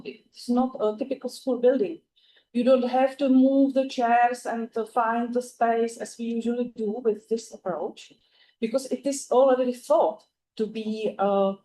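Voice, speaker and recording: A woman with a Czech accent, a native Czech speaker, giving an academic conference talk in English, with many "uh" pauses and careful phrasing. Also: fairly high pitch, warm tone, slight background noise, rough recording. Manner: frequent "uh" fillers, careful non-native phrasing. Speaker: conference presenter.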